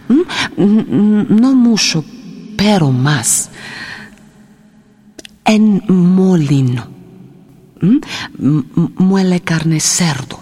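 Slow, halting foreign immigrant woman. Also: fairly low pitch, a little mellow, breathy edge, full character voice. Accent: foreign accent in Spanish. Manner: halting broken Spanish, short phrases, frequent searching hums. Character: slow, halting immigrant woman explaining recipes and family troubles. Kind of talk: radio drama monologue.

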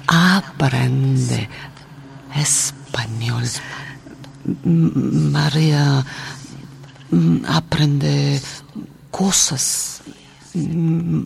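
Slow, weary migrant's wife. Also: female voice, deep voice, gravelly, a little mellow, full character voice. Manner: halting, fragmented, telegraphic phrases with hesitant murmurs. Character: weary, lonely Mennonite wife speaking halting broken Spanish. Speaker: actress in a radio play. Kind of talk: dramatic radio theatre monologue.

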